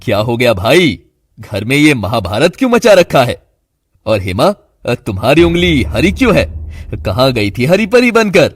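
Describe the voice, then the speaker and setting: A man voicing a joking, easygoing older father-in-law in an animated family cartoon. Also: medium pitch, measured pace, no room sound. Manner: teasing, wisecracking.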